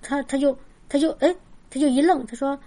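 A woman sharing a personal Christian testimony in casual storytelling, animated, with frequent restarts and bits of quoted dialogue. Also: sits high, brisk. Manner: lively retelling with restarts and laughs.

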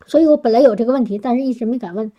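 A woman's voice: fairly high pitch, very fast, lo-fi sound. A woman speaking to a congregation, sharing a personal testimony in an earnest, chatty way with frequent restarts. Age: adult working professional.

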